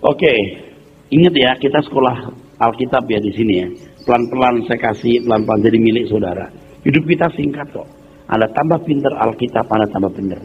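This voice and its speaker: A man pastor, preaching an informal sermon in a blunt, animated, mocking way with plenty of street slang. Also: medium pitch, brisk, soft background music. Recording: tinny phone-like sound, faint noise.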